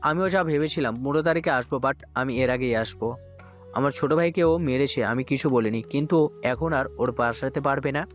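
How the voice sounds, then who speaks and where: A man's voice: fairly high pitch, fairly quick, faint music behind, close to an everyday voice. An actor playing a wealthy middle-aged male crime boss and father, speaking through clenched anger. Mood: angry. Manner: angry, clenched.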